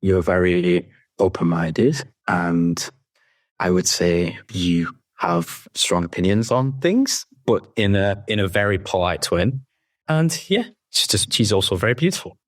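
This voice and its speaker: Male podcast guest, posh plummy delivery, very deep, close dry sound. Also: animated, unhurried, no echo. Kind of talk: casual interview chat.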